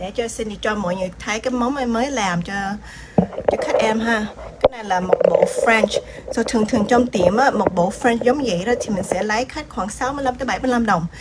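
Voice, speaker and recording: With noticeable background noise, a woman in a Vietnamese accent speaks at a fairly quick pace, her fairly high pitch showing ordinary variation. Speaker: nail technician and product demonstrator. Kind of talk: product tutorial and sales pitch.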